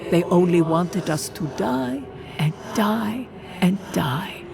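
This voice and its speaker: A woman's voice: fairly low pitch, lively intonation, vocal fry, exaggerated voice. A woman voicing a stern, grieving ancient ghost guardian in a fantasy game, speaking in a grave, formal way. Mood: bitter grief. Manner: grave, formal, measured storytelling. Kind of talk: fantasy video game voice acting. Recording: music behind the voice.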